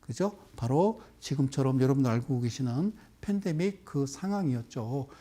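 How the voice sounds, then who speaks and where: A male stock market expert lectures on television with an emphatic, animated delivery. His voice sits a little high for a man yet sounds mellow and warm. He keeps pausing to check that his audience follows, firing off short rhetorical questions. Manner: animated, with sudden exclamations and chanted sequences.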